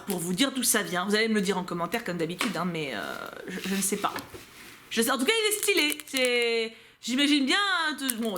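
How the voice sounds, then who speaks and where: A young woman with a French accent, chatting casually to her viewers as she unboxes a subscription box, giggling and breaking into quick asides. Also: mid-range voice, noisy background.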